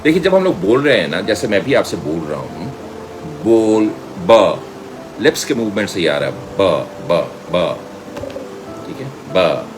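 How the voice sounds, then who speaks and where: A middle-aged man with an Indian accent gives an informal lecture, telling personal anecdotes in an animated way and mixing in English phrases. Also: sits low, unhurried, over music. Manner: animated storyteller, acts out dialogue, mixes in English phrases. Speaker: media school director and voice trainer.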